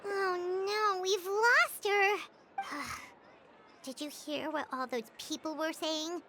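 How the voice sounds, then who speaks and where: A woman voicing a small, childlike, excitable fairy companion in an anime game, squeaky and exclamatory, easily indignant and loyal, with music behind her. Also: drawn-out words, noisy background, full character voice. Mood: worried. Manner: refers to self in third person, exclamatory.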